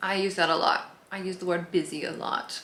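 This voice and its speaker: Noticeable background noise and audible room echo fill the recording. The woman speaks at a moderate pace. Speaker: YouTuber and parent living abroad. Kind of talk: casual vlog explainer. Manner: animated.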